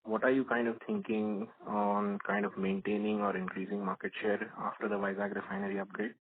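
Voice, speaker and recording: A man's voice: on the low side, brisk, slight background noise. A man asking questions as an analyst on a conference call over the phone. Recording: muffled phone line, husky radio-like sound.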